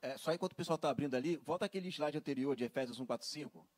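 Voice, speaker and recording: A man's voice: on the high side, very fast, no room sound. A Brazilian man teaching in a sermon, explaining step by step and checking in with tag questions. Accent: Brazilian Portuguese. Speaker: preacher.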